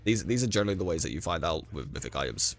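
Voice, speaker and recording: A man's voice: low-pitched, very animated, rapid-fire, soft background music. A man with a cold and a congested voice casually talking through a game build and run, rambling with frequent self-corrections. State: congested with a cold, losing his voice. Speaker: gaming guide creator. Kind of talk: casual gameplay walkthrough commentary.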